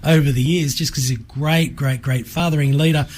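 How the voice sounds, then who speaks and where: A man's voice: on the high side, steady tone, a little fast, darkish tone. A man hosting a casual radio interview in a studio, joking and chatty, laughing often. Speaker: radio program host. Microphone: studio microphone.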